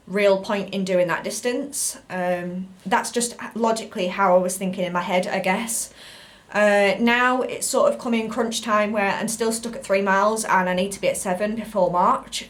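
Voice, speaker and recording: A British woman chats to camera in the casual style of a fitness vlogger. Her voice sits at a medium pitch, and she explains things in a loose, rambling way.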